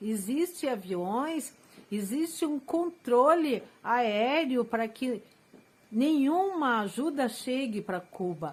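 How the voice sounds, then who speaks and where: The voice moves through very wide pitch swings. Its pace is very slow. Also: woman, high pitch for a woman. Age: 60s. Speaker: solidarity message sender. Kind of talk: recorded solidarity message.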